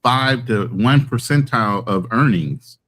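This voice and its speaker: A man's voice: medium pitch, a little slow. An American man living abroad, chatting casually and telling stories, sometimes acting out quoted voices. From United States. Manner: relaxed storyteller, acts out quoted voices. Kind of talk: casual video-call chat. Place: abroad in the mountains.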